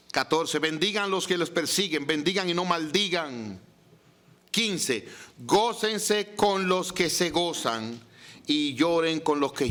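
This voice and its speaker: A pastor preaching a sermon, reading scripture and asking the congregation rhetorical questions. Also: male voice, on the high side, a bit bright.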